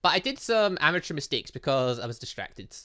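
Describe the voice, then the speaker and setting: Animated bright-voiced man doing game commentary. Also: on the high side, fairly quick. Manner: excitable, rambling, stumbles over read lines. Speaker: gaming video host, let's play narrator. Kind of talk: casual gameplay commentary, reading game dialogue aloud.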